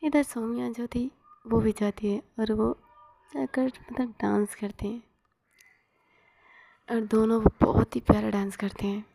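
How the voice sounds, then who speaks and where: A woman telling a romantic story in whispered role-play, voicing every character herself in a soft husky whisper. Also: a little high, steady tone, a little slow, long pauses.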